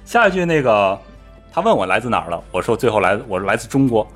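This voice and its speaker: Male podcast storyteller, pitch swings wide, lively and mimicking, casual chat. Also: fast, breathy edge, soft background music. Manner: animated storyteller, mimics voices. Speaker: podcast co-host telling a travel story.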